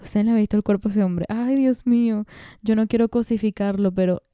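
A woman's voice: mid-range voice, steady tone, a little fast, dark tone, smooth, no room sound, studio quality. A young woman hosting a chatty, digressive podcast, laughing often as she talks. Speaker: podcast host. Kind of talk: casual chat.

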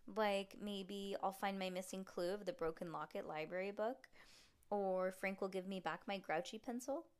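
A woman voicing an excitable, chatty third-grade schoolgirl who blurts out eager questions in a children's storybook. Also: mid-range voice, normal speed, lightly acted. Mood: hopeful.

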